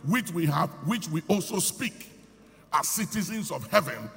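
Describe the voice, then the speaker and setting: Male preacher, emphatic, gravelly, bright tense tone, fairly high voice, long hall reverb. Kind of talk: sermon.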